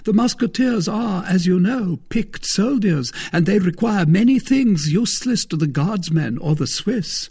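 A haughty, vain musketeer with a bluff, boastful swagger, as a male narrator puts him on, his voice pitched well above the reader's own and swinging widely. The tone is mellow and slightly husky, and every line is drawn out for show. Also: expressive, unhurried, few pauses, heavily acted. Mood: pompous.

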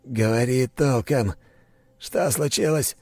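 A man voicing an older father, weak and hoarse after a coma, who speaks in short, commanding demands. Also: medium pitch, takes it slowly, a little mellow, no echo, voice pushed up. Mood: strained. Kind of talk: audiobook character voice.

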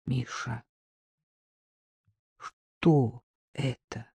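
A woman voicing a distraught young mother, fierce and defensive, speaking in shrill, accusing outbursts. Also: sing-song, slow pace, warm tone, no echo. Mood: shaken.

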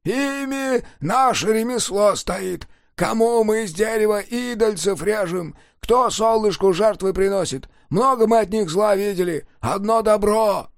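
A man voicing a stubborn peasant carver in a storybook who has shouted himself hoarse and wheezes high and strained. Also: a little slow, hardly any pauses, no room sound, studio quality. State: hoarse, voice worn out.

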